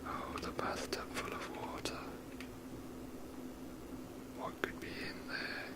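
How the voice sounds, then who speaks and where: A man whispers ASMR video game commentary in a rambling, wry, sweary manner, close to the microphone. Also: takes it slowly. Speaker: video game streamer making ASMR gameplay.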